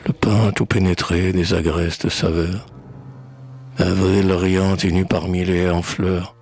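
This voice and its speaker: A man reading poetry aloud in a solemn, measured, declamatory recitation. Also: deep voice, level tone, creaky, darkish tone, faint music behind. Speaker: poetry reader.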